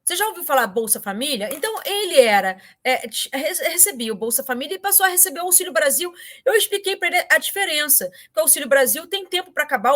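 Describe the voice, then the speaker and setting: A Brazilian woman with a high, bright voice tells casual anecdotes as an interview guest. She is animated, with lots of fillers and repeated words.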